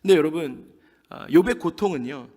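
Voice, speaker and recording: A man's voice: on the high side, animated, moderate pace, warm tone. A man preaching a sermon as pastor, delivering it dramatically and acting out the words of the people in his story with emphasis. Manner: dramatic, emphatic preaching that acts out quoted speech. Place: church sanctuary. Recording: long reverb of a large hall.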